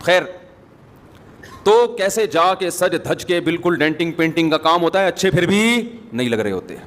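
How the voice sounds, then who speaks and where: A man's voice: a little high, expressive, a bit bright. A man giving a sermon, talking to the audience in a conversational way with joking asides. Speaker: Islamic preacher. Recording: long hall reverb, faint ambience.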